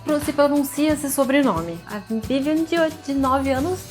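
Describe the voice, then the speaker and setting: A woman's voice: high-pitched, animated, moderate pace. A woman with a Brazilian Portuguese accent that pulls the R, teaching writing in an informal, candid way and reading from books. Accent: Brazilian Portuguese with a pulled R. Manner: informal, candid, addresses viewer directly. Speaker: host of a writing advice series, author. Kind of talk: didactic video talk with read-aloud book excerpts. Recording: music behind the voice. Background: music.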